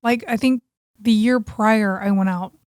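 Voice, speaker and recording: Woman, medium pitch, podcast co-host, laid-back casual chat, slangy replies, dry close mic. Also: fairly even intonation, unhurried, a little mellow, no room sound. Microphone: close podcast microphone, dry sound.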